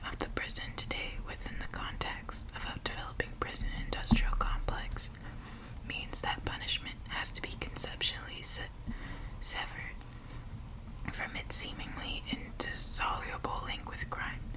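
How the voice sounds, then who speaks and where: Whispering at a moderate pace, a woman comes through over noticeable background noise. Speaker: ASMR creator. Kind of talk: ASMR book reading. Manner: whispered, soft-spoken.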